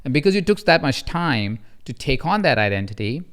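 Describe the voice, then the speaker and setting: A man in his thirties hosting a coaching podcast, telling personal stories and acting out quotes in an animated way. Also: a little fast, smooth. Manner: animated, acts out quotes with rising pitch. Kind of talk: conversational storytelling.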